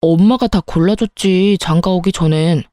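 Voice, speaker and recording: A woman's voice: lowish voice, normal speed, warm tone, dry recording, studio quality, natural voice. A woman voicing an indecisive, helplessly dependent grown man who talks in a hesitant, pleading way. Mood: whining. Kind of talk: storytelling with acted dialogue.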